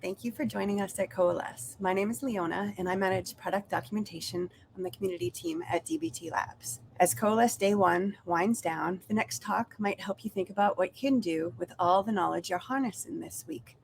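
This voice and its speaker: A woman's voice: medium pitch, a little fast, few pauses. A woman hosting an online event, giving a scripted introduction and housekeeping notes. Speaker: session host. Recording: clearly noisy background.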